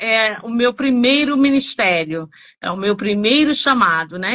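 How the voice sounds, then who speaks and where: A woman's high-pitched voice at a fairly slow pace, full of lively intonation. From Rio de Janeiro, Brazil. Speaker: gospel singer and pastor. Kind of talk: casual chat.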